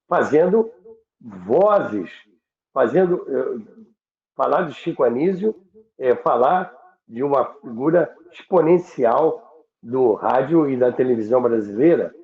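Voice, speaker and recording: The sound is muffled like a phone line, with noticeable room echo. An older man talks at a middling pitch. He reminisces conversationally, halting and repeating words as he goes. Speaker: radio veteran and program host. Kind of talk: reminiscing conversation about radio history.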